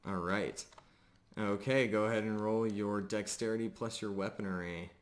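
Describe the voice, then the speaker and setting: A man narrating a live tabletop game as game master, casual and pausing often as he goes. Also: on the low side, steady tone.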